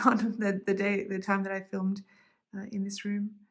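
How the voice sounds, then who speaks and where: Over a quiet background, a woman talks at a fairly quick pace in a somewhat breathy voice. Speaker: vlogger filming her home. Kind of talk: casual vlog chat. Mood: relaxed, pleased. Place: home room. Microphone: phone near.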